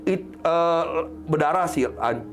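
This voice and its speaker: A man hosting a podcast, telling a story in casual chat and acting out his friends in sudden high voices. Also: takes it slowly, faint music behind. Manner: animated, jumps up high when acting out friends.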